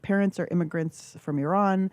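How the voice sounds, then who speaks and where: In a radio studio, a Californian woman in her forties, a guest author, reflects candidly in an interview, speaking slowly and haltingly with many fillers. Her voice is low and mellow. The studio mic is close and dry with no echo, though the recording is muffled.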